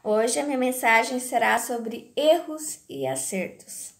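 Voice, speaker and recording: A woman in her thirties shares a faith message in a high voice with a gravelly, creaky texture. She talks haltingly and keeps checking in with her listeners. The sound bounces around an echoey room. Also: animated, background noise. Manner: hesitant, keeps asking "sabe?". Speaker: faith vlogger. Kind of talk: casual devotional talk.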